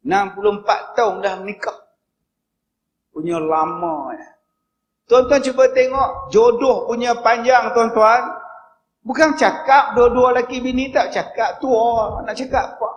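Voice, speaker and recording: A preacher with a northern Malay dialect gives a humorous religious lecture, telling stories punctuated by sudden loud, high bursts. There is a little hiss or hum in the recording.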